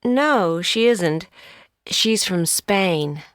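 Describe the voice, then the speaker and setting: A woman playing a friend who introduces her friends, speaking very slowly and carefully. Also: fairly low pitch, expressive, a little hiss or hum. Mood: friendly. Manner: very slow, careful.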